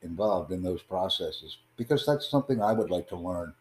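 A man with a very deep, low voice hosts an online chat. He speaks in measured, formal sentences, pitching his ideas like a presentation. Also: lively intonation, a little mellow, slight background noise. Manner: formal, promotional, measured delivery. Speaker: host of online conversation. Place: in the United States.

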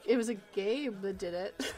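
A woman chatting casually on a livestream, playful and quick to laugh. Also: mid-range voice, dark tone. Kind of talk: casual chat.

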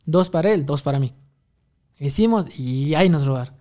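A man's voice: a little high, lively intonation, moderate pace, mellow. A young man, rambling through a story in casual chat, full of restarts and fillers. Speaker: guest telling a story.

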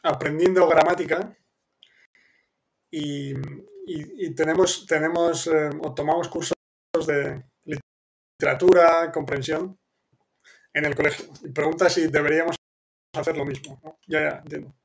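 A man's voice: on the high side, steady tone, a little slow, gravelly, pauses often, a little hiss or hum. A man who speaks Spanish as his first language, hosting a live question-and-answer session, thinking aloud with many restarts and fillers and checking in with his listeners.

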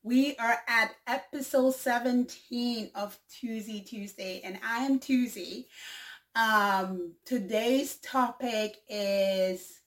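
A woman's voice: a little high, slow. A young woman from Liberia, hosting her own vlog in a casual, upbeat way, repeating herself and using many fillers. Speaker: vlog host and singer. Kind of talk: casual talk to camera. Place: Canada.

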